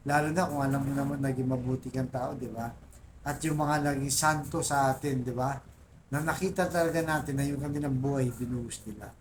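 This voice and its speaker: A man's voice: mid-range voice, steady tone, a little fast, slight background noise. A man with a Filipino accent, talking informally and earnestly to his viewers about faith, often asking "right?" and reading verses aloud. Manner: earnest, repeats "di ba?" and "guys" often, reads scripture aloud. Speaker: Catholic faith vlogger. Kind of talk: informal religious teaching to viewers.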